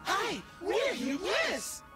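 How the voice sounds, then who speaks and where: A gleeful, showy villain from a game, an alien bacteria colony dressed up as a self-help guru. The voice sits very high, swoops lively up and down, and drawls slowly between giggles. Game music plays under it. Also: male voice, exaggerated voice. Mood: smug.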